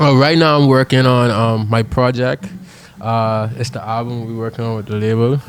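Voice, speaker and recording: Here a man at medium pitch talks at a fairly quick pace with a Bahamian accent. His intonation is fairly even, and music plays in the background. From Bahamas. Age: 20s. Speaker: singer and rapper. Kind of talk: casual interview. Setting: studio. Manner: soft-spoken.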